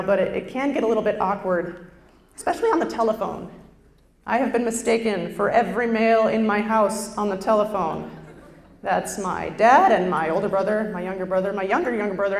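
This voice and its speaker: A young woman with a very low contralto voice, doing a chatty, self-deprecating stand-up routine on a lapel mic on a live stage. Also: creaky. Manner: self-deprecating, chatty, with frequent fillers and restarts. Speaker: stand-up comedian. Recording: roomy hall reverb, faint ambience.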